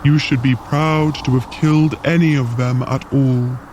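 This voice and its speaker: An actor playing a proud, solemn frost giant guide in an audio drama, speaking formally and earnestly. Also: male voice, medium pitch, fairly even intonation, background noise, natural voice. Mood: grave. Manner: formal, measured, earnest speech. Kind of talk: scripted audio drama acting.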